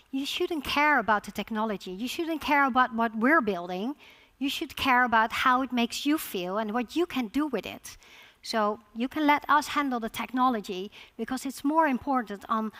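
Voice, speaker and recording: A woman's voice: on the high side, fairly bright tone. A woman from the Netherlands with a Dutch accent, giving a conference presentation with frequent restarts. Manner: halting restarts, repeated words. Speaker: conference speaker.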